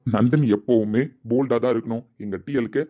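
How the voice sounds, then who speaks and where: A man's voice: medium pitch, fairly even intonation, brisk, dark tone, muffled recording. A man speaking dramatic dialogue in an earnest, tender way. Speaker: actor in a family drama.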